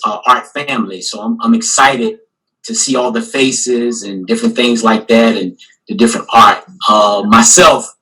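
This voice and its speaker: A man's voice: mid-range voice, fairly bright tone, breathy edge, poor audio. A man, an artist and guest curator, talking casually on a video call panel and filling his sentences with "you know". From Newport News, Virginia. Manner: rambling, many "you know" fillers.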